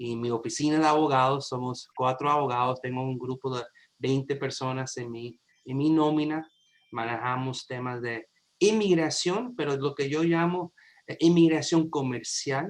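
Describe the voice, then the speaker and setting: With an American accent, a man speaks at a fairly slow pace in a fairly high pitch with ordinary pitch variation. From New York, Puerto Rican parents. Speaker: lawyer. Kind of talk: webinar interview.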